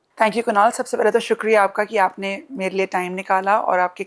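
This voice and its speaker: The delivery comes at a moderate pace with fairly even intonation. The recording is very clean, with a silent background. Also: woman. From India, Delhi. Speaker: interview guest. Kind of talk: interview conversation. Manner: halting, many fillers.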